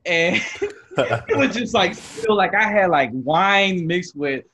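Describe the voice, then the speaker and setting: A man hosting a casual chat, talking in a relaxed, slangy way and telling stories. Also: high-pitched, slow. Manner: slangy and laid-back, full of "bro" and "you know what I'm saying". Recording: lo-fi, slightly dull sound.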